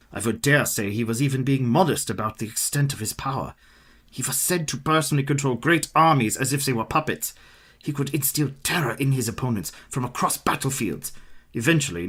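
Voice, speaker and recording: An actor playing a learned vampire-hunting professor in a radio play, formal and lecturing. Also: male voice, medium pitch, a bit bright, slightly rough. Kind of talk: community radio play acting.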